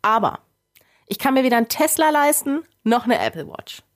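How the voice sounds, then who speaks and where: Brief: female co-host, casual banter, filler-heavy, animated pitch. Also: brisk. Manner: teasing, chatty, full of fillers. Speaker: podcast co-host. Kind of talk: casual chat.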